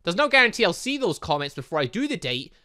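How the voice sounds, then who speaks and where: A man's voice: high voice, sing-song, fast, bright, forceful tone, smooth. A young man playing a visual novel on his channel, reading the dialogue aloud and rambling through a chatty outro. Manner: chatty, rambling, humming filler sounds. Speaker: gaming YouTuber. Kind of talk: let's play commentary, reading dialogue aloud.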